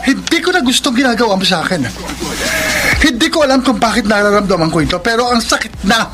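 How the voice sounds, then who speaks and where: An actor playing an anguished young gay best friend in a radio melodrama, pleading emotionally with a Filipino accent. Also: male voice, high voice, expressive, fast, over music. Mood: anguished, confused. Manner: pleading, emotional, mixes Tagalog with English. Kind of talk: melodramatic radio drama acting.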